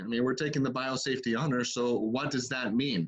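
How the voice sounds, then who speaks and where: A man speaks with a Spanish accent. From Puerto Rico. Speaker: youth club director and presenter. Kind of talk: online teaching presentation. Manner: frequent fillers (um, uh).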